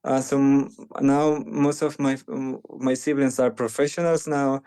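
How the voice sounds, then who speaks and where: Guest: young Panamanian man, slow and mellow, halting speech full of restarts, second-language speaker. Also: medium pitch, level tone, smooth. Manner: halting, many restarts and fillers. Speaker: guest, medical missionary. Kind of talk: conversational interview.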